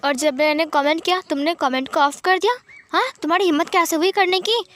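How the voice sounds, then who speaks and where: A woman's voice: brisk, a bit bright. A woman voicing a dramatic young man who pleads and whines while faking pain. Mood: indignant. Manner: pleading, melodramatic, high-pitched whining.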